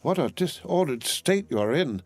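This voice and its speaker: A man voicing a gentle older father and doctor, soothing and measured. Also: on the high side, animated, breathy edge, no room sound, pitched above the performer's own voice.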